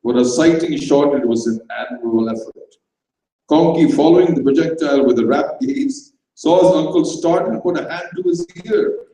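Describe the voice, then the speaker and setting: A man's voice: fairly high pitch, very animated, moderate pace, dark tone. A man narrating a comic short story expressively in a dramatized stage reading, recorded from a distance in an echoey hall. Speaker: reader.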